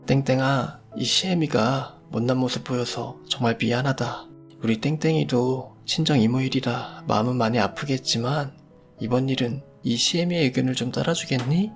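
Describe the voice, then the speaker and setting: A man's voice: medium pitch, moderate pace, faint music behind, close to an everyday voice. A man doing a bitter older mother-in-law. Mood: resigned. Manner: accusing, then tearful and resigned. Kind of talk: storytelling radio drama voice.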